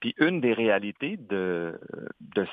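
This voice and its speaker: A man speaks in a Quebec accent. His pitch is fairly low. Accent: Québécois French. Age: 50s. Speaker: actor and social entrepreneur. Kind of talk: radio interview. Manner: halting.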